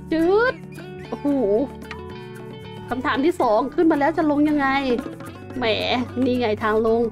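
High, lively woman gaming commentator. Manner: chatty and exclamatory, talks to viewers while exploring. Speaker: game host. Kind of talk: casual Let's Play commentary.

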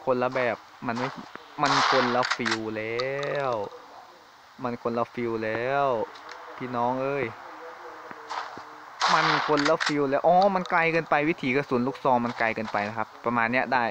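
A man giving jokey, excitable commentary while playing a shooting game, exclaiming often. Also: medium pitch, moderate pace, very noisy. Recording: game sounds and gunfire behind.

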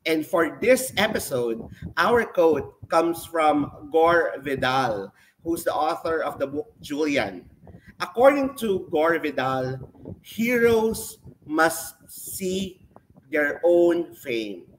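A man with a Filipino accent hosts a live online webinar, switching between English and Filipino as he introduces mentors and segments. His voice sits a little high for a man, with faint background noise behind the video-call audio. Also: sing-song, slow pace, low-quality recording. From Philippines. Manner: mixes English and Filipino, announcer-like. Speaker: host. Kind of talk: webinar hosting.

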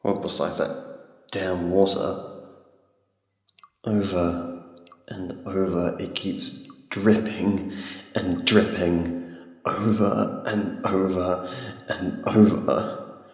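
A man playing a frightened, humiliated young captive in an ASMR roleplay, halting and timid, with a gravelly voice. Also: low-pitched, little pitch movement, full character voice. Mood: weary, dazed. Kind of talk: ASMR roleplay audio drama. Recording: echoey, long cavernous reverb.

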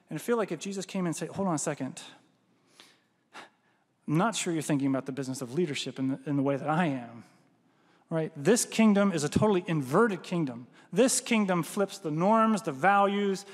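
A man in his thirties, a pastor, preaching a sermon on a headset mic, animated and often asking "right?". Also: sits high. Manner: animated, gestures broadly, often adds "right?". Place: church hall, indoors, large room. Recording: long hall reverb.

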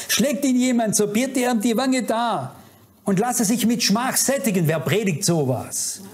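Fervent high-voiced male preacher. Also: lively intonation, unhurried. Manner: fervent, admonishing, addresses audience directly. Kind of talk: sermon. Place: conference hall.

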